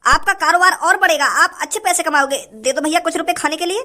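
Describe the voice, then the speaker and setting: A performer voicing a hungry young male beggar in a comedy skit, pleading and flattering. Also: extremely high pitch, quick pace. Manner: whining, flattering pleas.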